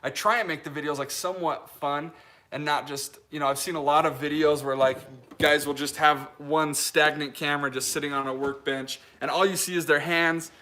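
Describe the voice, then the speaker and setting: A man in his late twenties from Utah talks through a casual live stream, answering viewer comments as they come. His voice sits a little high and sounds bright. He rambles with plenty of fillers and restarts and laughs easily. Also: fairly even intonation, moderate pace. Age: 20s. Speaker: leatherworker hosting a live stream.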